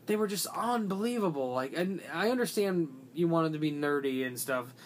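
Casual podcast co-host, mid pitch, rambling, filler-heavy delivery. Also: expressive, moderate pace, slight background noise. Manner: rambling, heavy use of "like", many restarts. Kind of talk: casual movie discussion.

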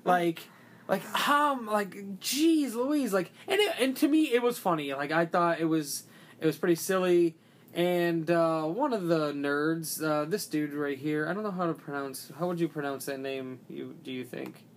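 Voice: mid-range voice, normal speed, slight background noise. Rambling podcaster saying "like" constantly. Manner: rambling, heavy use of "like", many restarts. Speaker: podcast co-host. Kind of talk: casual movie discussion.

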